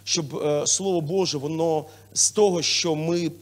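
A man preaching a sermon as pastor, moving between quiet asides and loud excited calls, with casual fillers and restarts. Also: a little high, a little slow. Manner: lively preaching, swinging from soft to loud exclamations; talks informally with fillers and restarts. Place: church hall.

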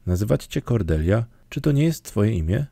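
A man voicing a stern, practical middle-aged woman in an audiobook, brisk and curt. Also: fairly low pitch, big pitch swings, vocal fry, warm tone, dry recording, exaggerated voice. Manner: brisk, curt, matter-of-fact. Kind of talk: audiobook character reading.

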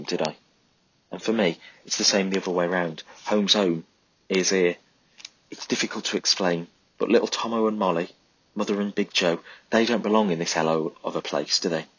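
A man's voice: low voice, a bit bright, breathy edge. A man voicing a cheerful, teasing young soldier who is the narrator's big brother, in a storybook reading. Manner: chirpy, teasing. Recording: dull lo-fi recording.

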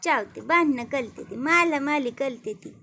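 A woman's voice: high voice, expressive, a little slow, bright, forceful tone, slight background noise. A woman films her pet cats at home and talks to them in teasing baby-talk. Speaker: vlogger, mother. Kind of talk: casual home vlog, talking to pet cats.

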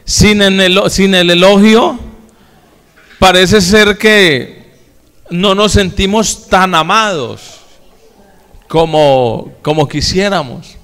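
Male pastor preaching, chatty, asks the church stuff, kinda high smooth voice, big echoey hall. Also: fairly bright tone. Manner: folksy, addresses the congregation directly with questions. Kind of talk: sermon.

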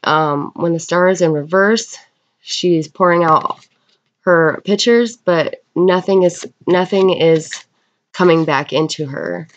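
A woman getting over a cold gives a casual tarot card reading, speaking haltingly with unhurried pauses. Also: on the low side. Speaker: tarot reader. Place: indoors at a table in a room. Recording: dull, lo-fi webcam sound.

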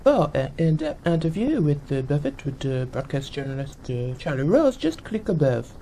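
A man's voice: a little high, sing-song, normal speed, dark tone, slight background noise, low-quality recording. A man voicing a chatty French monkey puppet reporter with a French accent and a sing-song voice. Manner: jokey, rambling, flustered fibbing. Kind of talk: comic puppet news segment.

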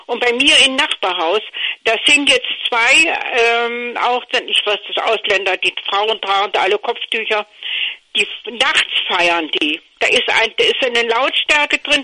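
Older woman, caller, higher voice, blunt, halting, phone-quality line. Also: pushed and bright. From Cologne, Germany. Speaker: caller on a panel.

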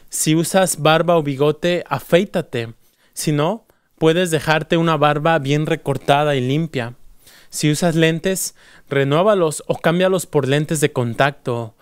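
A man's voice: fairly high pitch, smooth, no echo, clean studio sound. A man hosting a scripted motivational self-help talk, speaking earnestly and directly to the listener.

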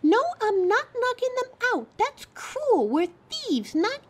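Woman as very high-pitched, flustered young female thief. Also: sing-song, slow pace, heavily acted. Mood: scheming, defensive. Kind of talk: scripted audio drama, one side of a phone call. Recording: clear background noise, coffee house ambience.

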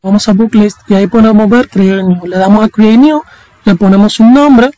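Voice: medium pitch, moderate pace, dark tone, no room sound, poor audio. A young adult programming instructor, talking through a coding tutorial in a casual, chatty way with slang and joking asides. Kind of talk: screen-recorded coding tutorial.

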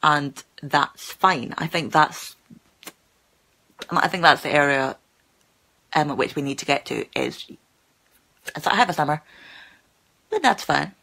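Young woman host who stammers, chatty and full of fillers, bright gravelly tone, phone-recorded in a small room. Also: sits low, animated, a little slow, pauses often. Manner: stammers, with many fillers and repeated words. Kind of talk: casual live-stream chat. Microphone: phone held at arm's length.

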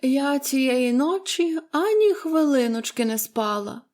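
A sullen, fretful bedridden woman of forty, speaking dryly and dragging her words out slowly, as a woman reads her part. She is from a storybook. Her complaints come out peevish and tired. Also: sits high, lively intonation, darkish tone, pitched above the performer's own voice. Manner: fretful, sullen, slow and dry.

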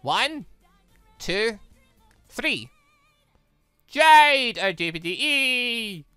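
A woman's voice: a little high, drawn-out words, smooth, no room sound, soft background music. A young woman streaming a visual novel, reading the lines aloud and chatting about the story. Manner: chatty, animated, reads character lines in her own voice. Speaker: let's play streamer.

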